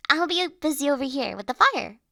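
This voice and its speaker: A woman playing a gentle, affectionate young mistress in an intimate roleplay audio, speaking softly, reassuringly and a little hesitantly to her automaton companion, sometimes breathily. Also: high voice, very animated, fairly quick, no room sound, studio quality, full character voice. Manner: tender, reassuring, hesitant, drifting into breathy whispers.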